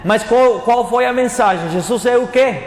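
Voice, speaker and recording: In a hall with long reverb and faint noise, a high-voiced male pastor, Spanish his first language, delivers a didactic Bible sermon at a moderate pace. He repeats phrases and asks the congregation questions to answer back.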